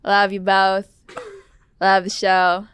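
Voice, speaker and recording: A woman's voice: mid-range voice, monotone, takes it slowly, a bit bright, clear, resonant tone, no echo. A young woman guest, giggling and hesitant as she reads a fan message aloud.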